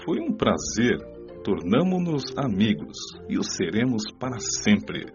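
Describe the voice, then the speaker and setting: A man with a Brazilian accent playing a kindly, instructive spirit mentor in an audio drama, explaining in measured phrases. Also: on the low side, very animated, a little mellow, lo-fi sound, soft background music. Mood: warm farewell. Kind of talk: audiobook radio drama dialogue.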